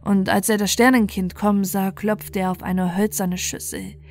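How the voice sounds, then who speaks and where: A woman's voice: mid-range voice, little pitch movement, normal speed, faint music behind. A woman reading a scripted bedtime fairy tale as its narrator.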